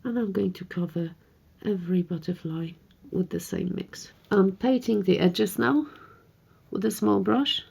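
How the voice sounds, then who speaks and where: A woman with a slightly hoarse, croaky voice hosts a painting tutorial, chatting and thinking aloud as she works. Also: mid-range voice, a little slow, darkish tone. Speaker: art tutorial host. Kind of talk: casual painting tutorial narration.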